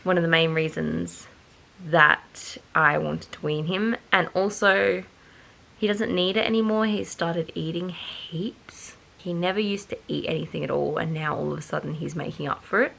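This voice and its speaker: A woman's voice: lowish voice, fairly even intonation, normal speed, vocal fry, a bit bright, low-quality recording. A tired, nasal-sounding young woman, chatting to camera and rambling as she corrects herself. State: tired and nasal with hay fever. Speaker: vlogger. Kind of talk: casual chat to camera.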